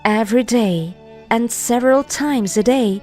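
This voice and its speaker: Slow, higher-pitched woman narrator over music. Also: darkish tone. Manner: measured, deliberate, phrase-by-phrase reading with pauses. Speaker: narrator reading an article. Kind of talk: scripted narration, spiritual video voice-over.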